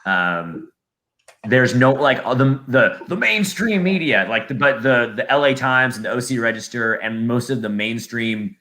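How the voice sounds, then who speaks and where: A young man with a Southern California accent, who works as a play-by-play announcer, chats casually on a podcast. His mid-range voice is animated and sharp at a normal pace, and he rambles with plenty of fillers and restarts.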